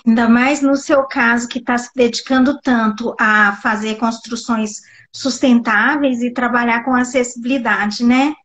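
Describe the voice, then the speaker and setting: High-voiced woman hosting an interview. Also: fairly even intonation, measured pace, hardly any pauses. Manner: warm and gracious, laughs easily. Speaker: host, interviewer. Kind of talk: friendly interview.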